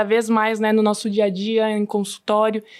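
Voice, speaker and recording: A woman speaks in a southern Brazilian accent at a fairly quick pace. Her fairly high voice has a dark, mellow tone. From Santa Catarina, southern Brazil. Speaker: cardiologist and podcast co-host. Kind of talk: casual chat. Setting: studio.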